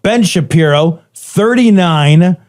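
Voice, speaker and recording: High-pitched, indignant man. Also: expressive, slow, darkish tone. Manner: indignant, sarcastic, emphatic repetition. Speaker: podcast co-host. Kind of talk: casual chat.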